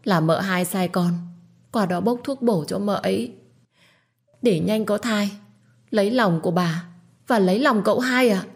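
A woman's voice: mid-range voice, a little slow, long pauses, slightly rough, voice pushed up. A woman voicing a frightened young servant girl who pleads timidly and humbly. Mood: fearful pleading.

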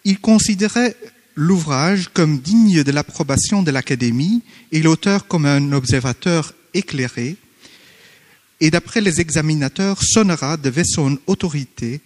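A man's voice: fairly high pitch, normal speed, a little mellow. Man reading a paper in a hall. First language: not French. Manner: formal, careful reading with hesitations and self-corrections. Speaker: conference speaker. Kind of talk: academic conference paper read aloud. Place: conference hall.

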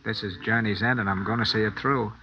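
A man's voice: lowish voice, fairly even intonation, fast, close to an everyday voice. An actor playing a dogged, wry tough-guy hero in an old radio drama, with clipped, wisecracking lines. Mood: grim resolve. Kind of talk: 1940s radio drama acting. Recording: dull, noisy old radio recording.

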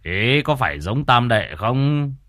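A man voicing a gruff, boastful older exorcist who talks bluntly. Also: mid-range voice, big pitch swings, slow pace, bright, forceful tone, no room sound, clean studio sound, heavily acted. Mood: mocking. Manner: blunt, mocking.

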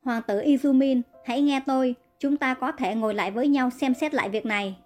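A woman's voice: high voice, fairly quick, a little mellow, soft background music, lightly acted. A woman reading as a kind, pleading young woman. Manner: pleading, earnest. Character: kind young woman healer, frightened captive.

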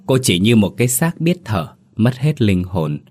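A man with a very low voice narrates a sorrowful village ghost story. His delivery is solemn and mournful, paced like a scripted audiobook. The tone stays heavy and grave throughout. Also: sing-song, moderate pace, a little mellow.

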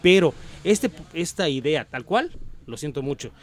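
A man's voice: a little high, animated, measured pace. A man with a Mexican accent, talking in a casual group conversation, emphatic and opinionated as he tells stories. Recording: faint background noise.

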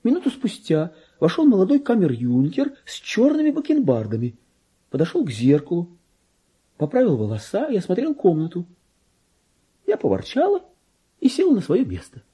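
A man's voice: high-pitched, wildly swooping pitch, mellow, husky, voice pushed up, heavily acted. A man voicing a gossipy, affected little female pet dog in a theatrical, chatty reading of a classic story. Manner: chatty, mannered, exclamatory, drawn-out emphasis.

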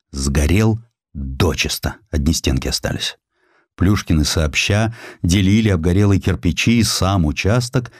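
A man narrating a historical story in an expressive, dramatic audiobook style with folksy irony, close to a studio microphone. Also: sits low, breathy edge, no echo.

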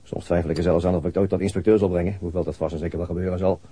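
A man's voice: low voice, steady tone, very fast, dark tone, breathy edge, no room sound. An actor playing a weary middle-aged detective and father, laconic and dryly sardonic, in a naturalistic radio play. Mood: irritated, sardonic.

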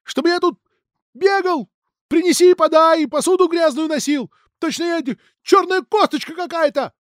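A man voicing a young son who bursts out in indignant shouting at his father, in an audiobook. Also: extremely high pitch, moderate pace, no room sound, clean studio sound, voice pushed up. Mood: furious.

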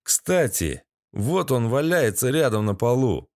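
Male audiobook narrator, sardonic gritty read, mid-pitched, dead-dry studio sound. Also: sing-song, measured pace, a little mellow, dry recording. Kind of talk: first-person audiobook narration.

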